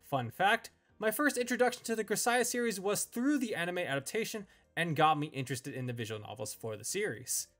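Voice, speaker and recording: Lively, higher-pitched young man narrating a review. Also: a little fast, few pauses. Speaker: video reviewer and host.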